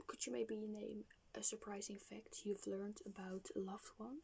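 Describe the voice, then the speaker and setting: A woman whispering softly in an ASMR therapist roleplay, breathy and creaky, gently and hesitantly asking questions. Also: medium pitch, little pitch movement, moderate pace.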